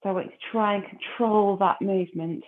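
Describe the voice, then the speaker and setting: A woman leading a core exercise class, giving calm, encouraging cues and breath counts. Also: medium pitch, brisk. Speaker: fitness instructor. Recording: phone-like narrow audio.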